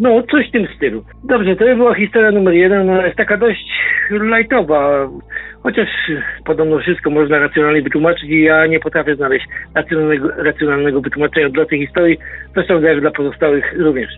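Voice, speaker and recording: Very fast speech with lively intonation and very even loudness over music in the background. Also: man, fairly high pitch for a man. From Upper Silesia, Poland. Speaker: caller sharing paranormal experiences. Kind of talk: testimony.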